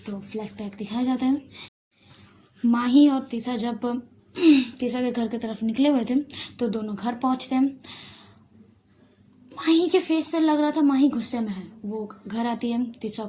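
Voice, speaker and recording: A woman's voice: on the high side, measured pace, long pauses, mellow. A woman narrating a romance story in a casual, emphatic, repetitive way.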